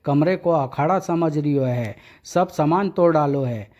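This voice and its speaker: A man's voice: on the high side, a little slow, darkish tone, lightly acted. A man voicing a cheeky young village nephew, teasing in rustic banter.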